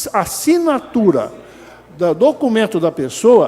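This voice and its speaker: A man talks at an extremely high pitch while noticeable background noise carries on around him. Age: 60s. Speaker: city inspection director, retired police officer. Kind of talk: testimony at council hearing. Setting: council chamber session. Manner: halting.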